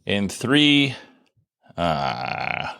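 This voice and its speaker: A man hosting a solo podcast, talking casually about a company event with a dry, self-deprecating manner and what he calls a monotone voice. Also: low-pitched, drawn-out words, gravelly. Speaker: podcast host.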